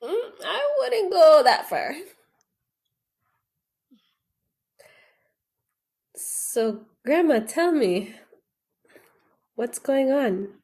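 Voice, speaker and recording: A woman playing a wistful, gently probing adult granddaughter in a naturalistic audio drama. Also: high-pitched, sing-song, takes it slowly, exaggerated voice.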